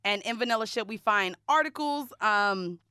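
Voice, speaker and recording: A woman's voice: mid-range voice, lively intonation, normal speed, sharp tone, smooth, no room sound, studio quality. A woman co-hosting a podcast in casual conversation, blunt, slangy and freely swearing. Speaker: podcast co-host.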